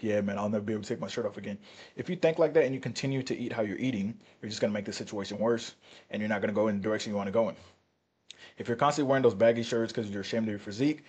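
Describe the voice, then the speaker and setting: Male fitness coach, husky voice, rapid delivery, blunt and swearing, straight-to-camera pep talk. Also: mid-range voice, a little mellow. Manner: blunt, profane, repeats "right?" and "all right?". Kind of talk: casual talking-to-camera coaching. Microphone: turned-up mic, quiet recording.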